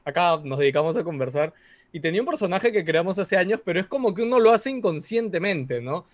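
A man's voice: high voice, expressive, quick pace, no room sound. A man who hosts podcasts, chatting and telling anecdotes. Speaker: podcast host. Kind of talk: casual podcast chat.

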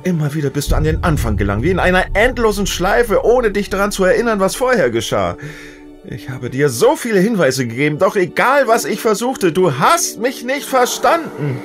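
A man's voice: sits high, big pitch swings, moderate pace, soft background music. A man acting a stubborn, regretful old father in a German audio drama, speaking in a weary, grave, emphatic way. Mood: urgent, frustrated. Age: older.

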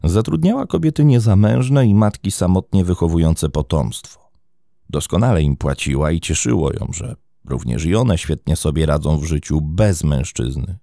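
Deep dark voiced guy reading a crime story, lively swoopy delivery, dry studio sound. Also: moderate pace, gravelly, dry recording. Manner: dramatic storytelling, wide pitch swings. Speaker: narrator. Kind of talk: scripted true-crime narration.

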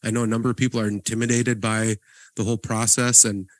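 A man's voice: fairly low pitch, little pitch movement, fast talker, no echo. Earnest man urging listeners on. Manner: earnest, encouraging, frequent restarts. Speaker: podcast co-host, guest pastor. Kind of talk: casual podcast conversation.

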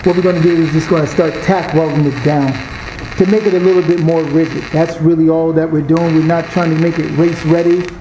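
Wearing a body camera, a man with a fairly high, flat voice talks a little fast over background noise. He gives laid-back, slangy, rambling how-to commentary on restoring a car in a garage workshop and an outdoor junkyard.

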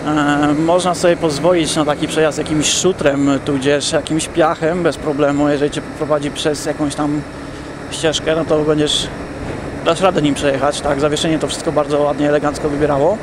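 A young man talking casually to viewers while riding a motorcycle through city traffic, in a relaxed, chatty way. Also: on the high side. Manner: relaxed, chatty, addresses viewers directly, drawn-out fillers. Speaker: motovlogger. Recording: helmet mic with wind and traffic noise.

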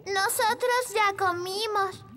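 A woman's voice: very high voice, steady tone, slow pace, pushed and bright, a little hiss or hum, heavily acted. A woman with a Latin American Spanish accent voicing a polite little fairy princess in a children's cartoon.

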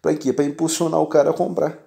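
Quick and fairly high, his voice carries some vocal fry. The speaker, a Brazilian tech channel host who also keeps a shop, chats directly to viewers in a lively, emphatic way, constantly dropping in "entendeu?" to confirm they're keeping up.

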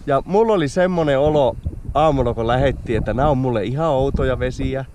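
A man in his thirties hosts a fishing channel, chatting casually and enthusiastically on camera, first outdoors on a frozen lake and later at an indoor kitchen table. His voice is medium in pitch, and the background is noisy.

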